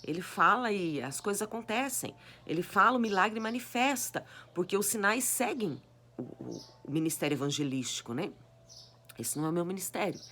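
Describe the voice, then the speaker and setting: A woman preaching a sermon with a hoarse, cracked voice, exhorting her listeners with repeated rhetorical questions. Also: on the low side, lively intonation, moderate pace, sharp tone, a little hiss or hum. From Brazil. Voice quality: raspy, cracked voice.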